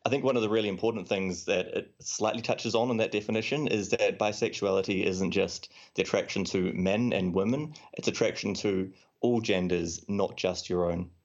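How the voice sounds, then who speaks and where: A man's voice: lowish voice, fairly even intonation, normal speed, few pauses. A man with a New Zealand accent, a podcast guest chatting casually and explaining things with dry jokes. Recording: dull lo-fi audio.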